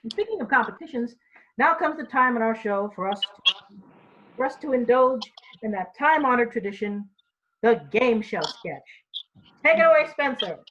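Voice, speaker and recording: A playful woman introduces a comedy show in a casual way. Her voice is high and animated, on a dull, slightly noisy microphone. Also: normal speed. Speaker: show host. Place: remote virtual show.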